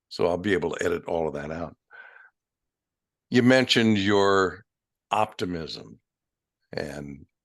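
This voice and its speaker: A man with a very deep, low pitch speaks fairly slowly, his intonation lively and his pauses long and frequent. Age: 70s. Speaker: interviewer, former broadcaster. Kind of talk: interview conversation.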